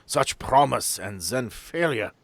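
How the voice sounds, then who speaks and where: A man voicing a measured, detached male asylum doctor who talks in a formal, precise way. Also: mid-range voice, expressive, creaky, fairly bright tone, no echo, exaggerated voice. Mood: coolly formal.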